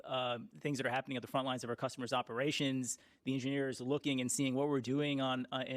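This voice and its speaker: A man's voice: mid-range voice, no room sound. A man answering as a company executive on an earnings call, explaining casually in business and tech jargon.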